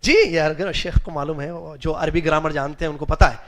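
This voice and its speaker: A man teaching a class on religious history, often questioning his students, slowly spelling out Arabic root letters and mixing English words into his talk. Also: a little high, steady tone, fairly bright tone. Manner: chuckles and jokes with students. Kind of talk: classroom lecture.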